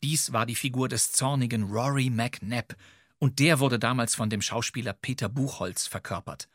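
Husky man narrating in a dry room. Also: medium pitch, moderate pace, no room sound. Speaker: podcast co-host. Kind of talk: scripted, playful narration.

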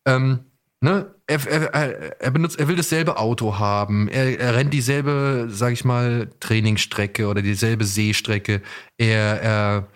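A male podcast host talks casually through his thoughts. He speaks in a medium-pitched voice and often circles back, repeating small words while he searches for the next one. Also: measured pace.

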